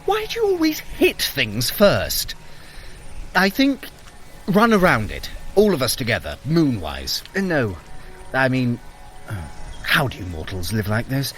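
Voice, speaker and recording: Audio drama role: clever, exasperated male trickster god, dry wit, measured pace, extremely animated intonation. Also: medium pitch, faint music behind. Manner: dry, sardonic, articulate. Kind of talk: scripted audio drama acting.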